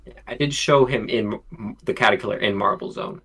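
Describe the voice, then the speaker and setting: A man co-creating an animated series, chatting casually on a livestream and dropping dry, deadpan jokes. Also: fairly low pitch, brisk, breathy edge.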